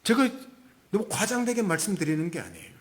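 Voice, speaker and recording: A male pastor preaching a Sunday sermon, emphatic, full of rhetorical questions and sudden hushed asides. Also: sits high, wildly swooping pitch, fairly quick.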